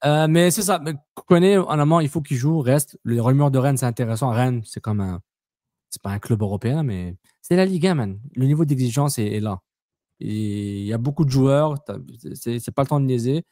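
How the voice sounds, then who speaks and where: A man's voice: medium pitch, moderate pace, warm tone, dry recording, studio quality. A man co-hosting a casual soccer podcast, talking bluntly, repeating himself and slipping in English words. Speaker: podcast co-host.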